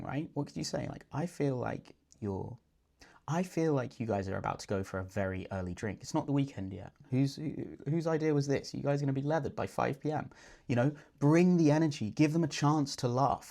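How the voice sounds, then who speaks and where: A man's voice: medium pitch, brisk, vocal fry, darkish tone. A man working as a dating coach, confidently explaining and breaking down a client's approach. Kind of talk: video breakdown commentary.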